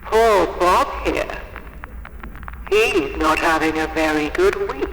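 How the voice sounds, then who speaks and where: An actor playing an imperious, coldly courteous overseer of a sinister mansion in an audio horror drama, with slow, theatrical menace. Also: male voice, a little high. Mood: amused, condescending. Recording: echoing hall, long reverb, faint noise.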